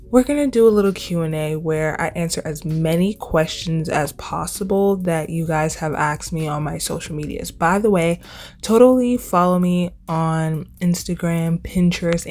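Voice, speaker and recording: A woman's voice: lowish voice, darkish tone. A twenty-year-old woman hosting a casual solo podcast, talking in a chatty, informal way and repeating words for emphasis. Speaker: podcast host.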